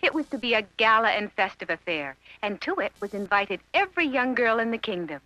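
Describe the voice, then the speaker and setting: A woman narrating a children's fairy tale from a script in an expressive, measured storybook manner. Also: fairly high pitch, no echo. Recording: dull lo-fi audio, music behind.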